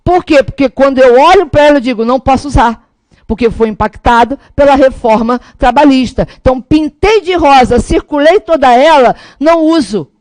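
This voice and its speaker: A woman teaching law in a lively, motivational classroom lecture, speaking straight to her students with a Brazilian Portuguese accent. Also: high-pitched, moderate pace, hardly any pauses, dry recording.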